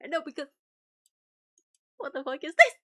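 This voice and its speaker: A woman streamer reading a visual novel aloud and reacting in an animated, teasing way, swearing freely. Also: high voice, normal speed, dry recording, studio quality. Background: music.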